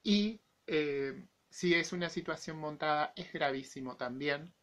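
A man's voice: fairly high pitch, measured pace, a bit bright. A man in his forties with an Argentine accent, giving his opinion to camera as a vlogger, his voice affected by an infection he is recovering from. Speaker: YouTube vlogger. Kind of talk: personal opinion monologue to camera.

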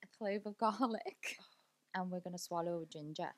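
A woman's voice: on the low side, moderate pace. A woman in her thirties co-hosting a casual podcast, upbeat and teasing. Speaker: podcast co-host. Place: small cosy studio room, indoors. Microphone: studio mic on boom arm.

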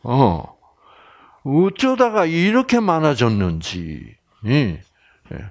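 Slow lively Korean man lecturing. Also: on the high side. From South Korea. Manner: slow and drawn-out, many fillers, drops to a near whisper at key points; asks the audience questions and answers them himself. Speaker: health lecturer. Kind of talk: health lecture with sermon-like passages.

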